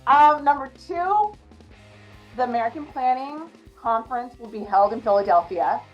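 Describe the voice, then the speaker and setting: A woman with a high voice answers casually, ticking off points one by one. The sound is a bit dull, with music behind. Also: lively intonation, normal speed. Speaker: interviewee giving a prediction.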